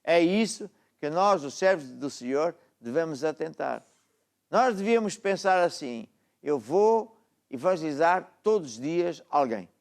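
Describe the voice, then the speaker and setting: A man's voice: fairly high pitch, expressive, a little slow, vocal fry. A middle-aged man with a European Portuguese accent, preaching a sermon and exhorting his listeners, then praying over them. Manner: exhorting, asks "está a ver?" often. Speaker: apostle preaching. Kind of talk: sermon with closing prayer.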